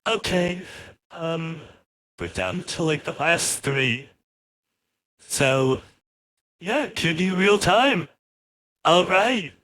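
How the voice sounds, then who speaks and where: A man giving a casual, rambling software walkthrough, his voice processed by a real-time AI voice changer. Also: a little high, very animated, extremely slow, long pauses, no echo. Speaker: host demonstrating voice changer software.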